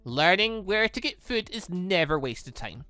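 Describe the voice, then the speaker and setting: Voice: mid-range voice, very animated, unhurried, bright, forceful tone, no room sound, soft background music. A gaming host voicing a brash, teasing young rabbit-eared girl from a visual novel, with sassy, blunt delivery.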